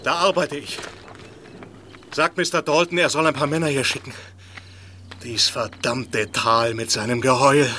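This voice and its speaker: A man's voice: medium pitch, fairly even intonation, a little slow, pauses often, bright, forceful tone, a little hiss or hum. A man playing an injured ranch labourer in a radio play, panting with pain and fear. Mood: panicked, pained. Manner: breathy, frightened, urgent. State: in pain, panicked. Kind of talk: German radio play acting.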